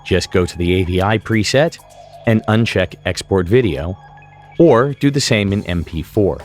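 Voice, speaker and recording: A man giving scripted software tutorial narration as an instructor, speaking in a precise, explanatory way. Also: low-pitched, animated, moderate pace, faint music behind.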